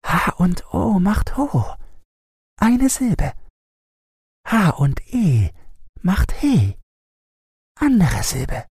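A man voicing an invisible child dream-spirit in a storybook, coaching slowly syllable by syllable. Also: high-pitched, huge pitch swings, darkish tone, husky, no room sound, clean studio sound, pitched above the performer's own voice, heavily acted. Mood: patient coaching.

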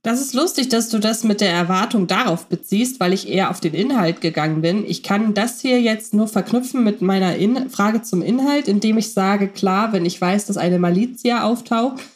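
A woman's voice: medium pitch, normal speed, few pauses, a little mellow. A woman co-hosting a casual fan podcast, reflecting in long winding sentences full of fillers. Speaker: podcast co-host.

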